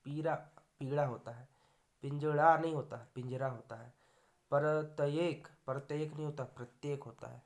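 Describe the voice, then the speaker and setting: A man's voice: medium pitch, steady tone, fairly quick, creaky, few pauses. A man teaching a grammar lecture for exam students, going through correct and wrong spellings word by word.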